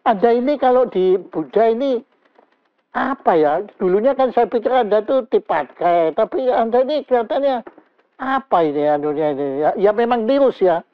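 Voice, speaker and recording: A man's voice: high-pitched, lively intonation, moderate pace, clean tone, dry recording. A man hosting a talk show, teasing his guest and laughing easily. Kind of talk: casual talk show conversation. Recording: dry, dull sound.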